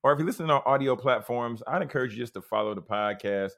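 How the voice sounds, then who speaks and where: Male podcast host, average pitch, relaxed informal interviewing with doubled short phrases. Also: quick pace. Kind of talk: casual podcast interview and sign-off.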